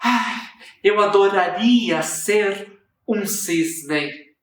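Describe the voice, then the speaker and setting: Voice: mid-range voice, very slow, a bit bright. A Brazilian Portuguese speaker voicing a sad, self-pitying crow who longs to be beautiful, in a whiny, lamenting way. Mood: eager. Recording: roomy echo, distant mic.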